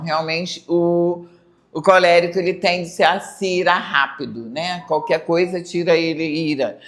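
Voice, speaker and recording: Emphatic Brazilian woman Bible teacher. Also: lowish voice. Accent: Brazilian Portuguese. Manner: emphatic, with frequent rhetorical tag questions. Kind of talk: church Bible study lesson.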